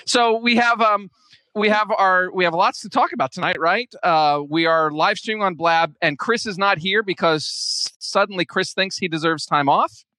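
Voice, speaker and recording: A man's voice: sits high, moderate pace, pushed and bright, no echo. A man hosting a live-streamed fan podcast, chatty and joking, often restarting his sentences. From United States. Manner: chatty, joking, self-correcting. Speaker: podcast host. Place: home, video chat. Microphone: video call.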